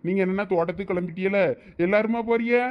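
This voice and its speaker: Brief: performer doing a playful young village man, Thoothukudi Tamil accent, mid-pitched, friendly teasing. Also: quick pace, muffled recording, lightly acted.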